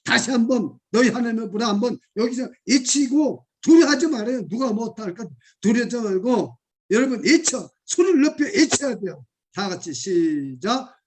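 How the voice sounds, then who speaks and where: A man preaching a sermon as pastor, calling the congregation to shout along and rising to loud exclamations. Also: extremely high pitch, expressive, normal speed, breathy edge.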